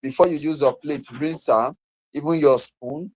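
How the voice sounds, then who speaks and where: A man's voice: a little high, steady tone, moderate pace, rough recording. A Nigerian man, a doctor, giving conversational health advice in Nigerian Pidgin mixed with English, politely urging listeners as he instructs. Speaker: doctor, guest on a health talk.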